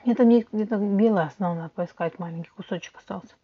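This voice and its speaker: A woman's voice: medium pitch, fast, breathy edge, dull audio. Woman chatting while chewing clay. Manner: chatty, addresses viewers directly. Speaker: livestream host. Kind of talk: casual livestream chat with viewers.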